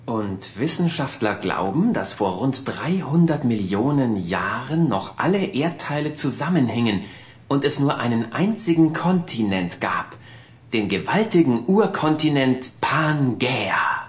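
A woman's voice: extremely low pitch, very animated, measured pace, heavily acted. A woman voicing an earnest, bookish boy explorer who lectures with matter-of-fact confidence. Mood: lecturing. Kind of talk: children's cartoon voice acting.

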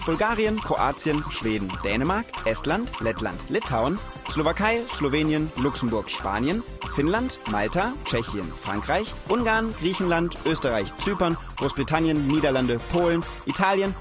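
A man presenting a children's knowledge show, talking straight to young viewers in an upbeat, animated way. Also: on the high side. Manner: lively, addresses viewers directly as kids.

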